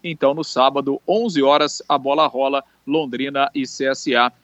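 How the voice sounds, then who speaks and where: A Brazilian man reports live for sports radio in a mid-pitched voice. His delivery is conversational and informative, on a dry, slightly dull feed. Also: steady tone, normal speed, fairly bright tone, no echo.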